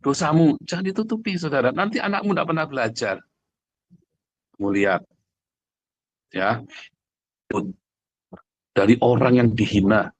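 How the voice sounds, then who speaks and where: This preacher delivers a conversational livestream sermon in a blunt, emphatic style, addressing the audience directly and throwing out rhetorical questions. He speaks at a medium pitch and normal speed, leaving long pauses, and there's no echo.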